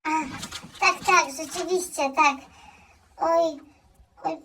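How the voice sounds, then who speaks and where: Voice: very high voice, steady tone, slow, pushed and bright, slight background noise, exaggerated voice. A performer playing a doting mother in a comedy sketch who apologizes and coos at her spoiled son. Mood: fawning. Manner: cooing, fawning, apologetic. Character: doting, fawning mother, apologetic and soft-spoken woman. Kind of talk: comedy sketch role-play.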